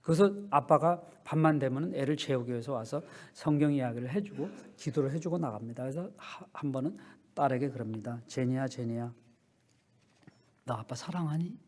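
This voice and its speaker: A male pastor giving a sermon, telling a story softly and then rising into loud, emphatic appeals. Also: medium pitch, brisk.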